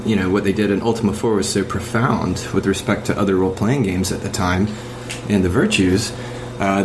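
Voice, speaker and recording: Man, low pitch, casual panelist, noticeable air-conditioning noise. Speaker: podcast panelist. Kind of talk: casual discussion.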